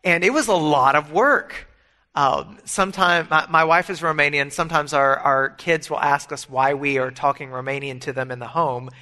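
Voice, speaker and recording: A man's voice: on the high side, normal speed, pushed and bright. A middle-aged man preaching a sermon, earnest and emphatic, mixing scripture with personal stories. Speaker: pastor.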